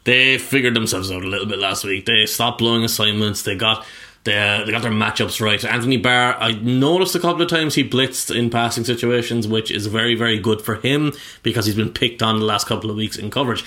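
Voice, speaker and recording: A man's voice: lowish voice, a little fast, pushed and bright. A man co-hosting a casual sports podcast, teasing his partner and breaking down games in detail. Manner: teasing, laughing along, analytical. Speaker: podcast co-host.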